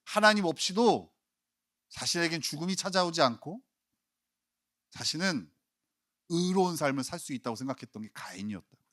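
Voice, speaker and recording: Animated, high-voiced man preaching. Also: a little fast, long pauses. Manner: dramatic preaching, acting out quoted complaints with rising intensity. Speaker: pastor. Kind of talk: sermon.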